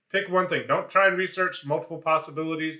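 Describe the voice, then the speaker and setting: The man's tone is bright and sharp. His pitch is fairly high. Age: 60s. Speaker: college English instructor. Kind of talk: tutorial. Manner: casual with frequent filler words.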